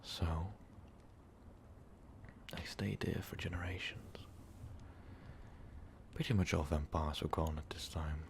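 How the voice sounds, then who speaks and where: A man voicing an ancient, brooding, power-hungry vampire overlord in an ASMR roleplay, talking haltingly and often slipping into whispers. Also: rumbling low, fairly even intonation, creaky, slight background noise, full character voice. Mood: solemn, reflective. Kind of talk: ASMR roleplay monologue, intimate storytelling.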